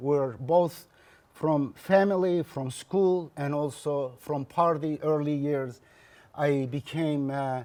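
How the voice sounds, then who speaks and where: At a fairly slow pace, a man with a Kurdish accent speaks in a dark, mellow tone, his pitch fairly high and his intonation fairly even. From Turkey, eastern town, raised in Istanbul. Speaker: philosophy professor. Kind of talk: public talk. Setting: library event with audience. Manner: halting.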